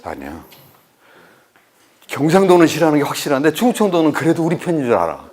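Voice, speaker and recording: A man's voice: on the high side, fast. A male professor, giving a humorous lecture full of anecdotes and acting out conversations to tease his audience. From Chungcheong, South Korea. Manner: animated storyteller who acts out dialogue and teases the audience.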